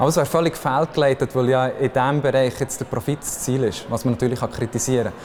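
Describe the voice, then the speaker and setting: Over noticeable background noise, a man with a medium pitch speaks very fast in a fairly even intonation. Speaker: president of an effective altruism foundation. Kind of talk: interview answer.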